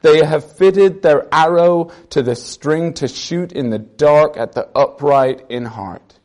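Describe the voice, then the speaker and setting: A young Irish man delivers a conversational sermon, reading a psalm and telling a story from his childhood. His preaching is earnest and personal, in a fairly high, slightly mellow voice at a slow pace.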